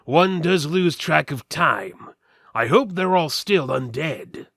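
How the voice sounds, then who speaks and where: A man's voice: on the high side, expressive, takes it slowly, gravelly, fairly bright tone, no echo, clean studio sound, full character voice. A man voicing a pleading, chatty skeleton in a fantasy story, insistent and wheedling. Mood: exasperated, chatty. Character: pleading, chatty male skeleton, bored caged undead father. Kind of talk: fantasy audiobook dramatic reading.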